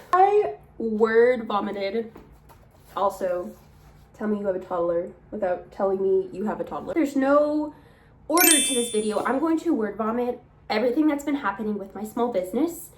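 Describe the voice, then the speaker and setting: A woman's voice: medium pitch, lively intonation, normal speed, darkish tone, reverberant, a little hiss or hum, poor audio. A young woman, a small business owner, chatting casually to camera in a rambling vlog with a slightly nasal sound from allergies. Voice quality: chatty, rambling, laughs between phrases. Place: home.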